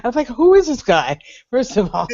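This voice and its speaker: Sharing her story candidly by remote video call from a spiritual gathering, a woman laughs and sighs frequently. Her voice is fairly high and darkish in tone, sing-song, at a normal speed, and the call audio is dull and lo-fi.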